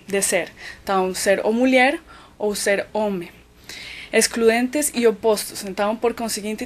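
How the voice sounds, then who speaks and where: A woman from Colombia, a physician and researcher with a Colombian Spanish accent, giving an academic web lecture with frequent filler words. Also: on the high side. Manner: thoughtful, many "então" and "é" fillers while explaining.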